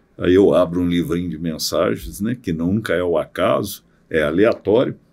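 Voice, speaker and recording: A man's very deep, low voice carries lively intonation. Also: moderate pace. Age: 70s. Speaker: spiritist lecturer. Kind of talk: interview chat.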